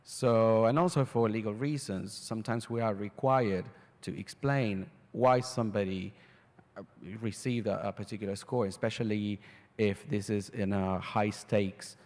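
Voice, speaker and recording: A man with a fairly low voice speaks as a panelist at a conference. He talks hesitantly, often restarting his words. The sound carries a long reverb from a large hall. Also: steady tone, a little slow, darkish tone.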